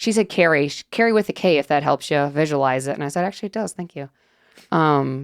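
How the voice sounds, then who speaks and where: In a very clean recording with a silent background and a dry, close sound with no echo, a woman with an American accent speaks very fast at a very deep, low pitch with lively intonation. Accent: Wisconsin accent, noticed by others. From Wisconsin, US Midwest. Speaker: podcast co-host. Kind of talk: casual chat. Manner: halting, many fillers.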